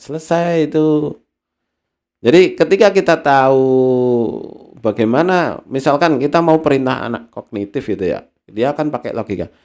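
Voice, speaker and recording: A man's voice: mid-range voice, darkish tone. Man explaining casually with many fillers. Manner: acts out everyday examples in other voices. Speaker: talent analysis presenter. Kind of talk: explanatory seminar talk.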